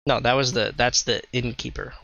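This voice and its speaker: A man's voice: mid-range voice, fairly even intonation, normal speed, gravelly, bright, forceful tone, highs cut off, a little hiss or hum. A man running a tabletop game as game master, joking and laughing loosely between scenes.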